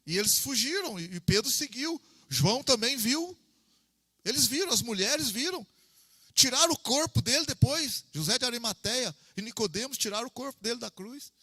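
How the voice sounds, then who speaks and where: This man has an extremely high, animated voice that sounds pushed, bright and slightly rough, at a moderate pace. He speaks with a Brazilian Portuguese accent, leading a Bible study as an informal sermon, talking conversationally, repeating himself and asking listeners for "amém." The recording is dry but has a big-room sound.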